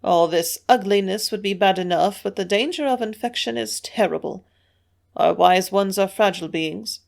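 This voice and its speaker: A frail, ancient Martian elder, read by a woman, speaks in a high, quavering voice. He stays calm and earnest, gently persuading his listeners toward a cold decision. An audiobook reading. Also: normal speed, vocal fry, close to an everyday voice. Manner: soft-spoken, coolly persuasive.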